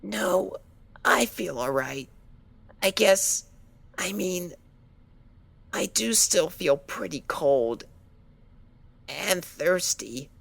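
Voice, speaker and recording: A woman's voice: fairly low pitch, animated, drawn-out words, gravelly, pauses often, no room sound, heavily acted. A woman voicing a timid, injured young female pony in a dramatized story reading, hesitant and meek, with anxious pleading. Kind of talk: dramatized fan fiction reading.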